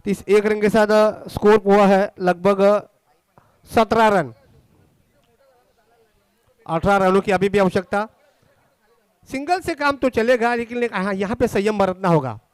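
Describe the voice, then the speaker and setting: An Indian man giving excited live ball-by-ball cricket commentary, often repeating the score. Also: sits high, a little slow, pauses often, clean tone, no room sound.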